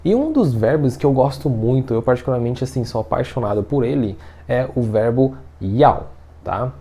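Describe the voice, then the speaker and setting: Lively, chatty man teaching. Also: mid-range voice, fairly quick. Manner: chatty, explains with everyday examples, checks in often. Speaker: Mandarin teacher. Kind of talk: casual video lesson.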